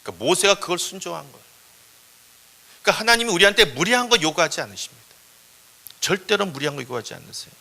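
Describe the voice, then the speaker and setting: Animated man preaching a sermon. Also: high voice, fast talker, vocal fry, long pauses. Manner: animated, acts out voices. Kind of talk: storytelling sermon. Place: church.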